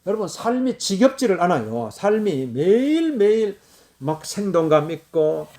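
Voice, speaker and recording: Man, middle-aged, pastor, sermon, high voice, animated, emphatic and repetitive. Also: a little slow. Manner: repetitive, emphatic preaching with sudden loud exclamations.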